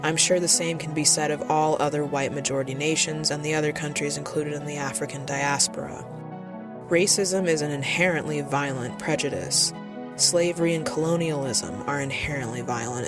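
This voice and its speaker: A woman presenter reading scripted political commentary in a measured, serious, emphatic way. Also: deep voice. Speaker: radio presenter.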